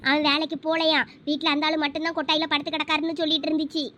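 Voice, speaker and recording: A performer voicing a determined young village woman in a very high, quick cartoon voice with a Thoothukudi Tamil accent. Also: flat delivery, bright, forceful tone, slight background noise. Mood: earnest.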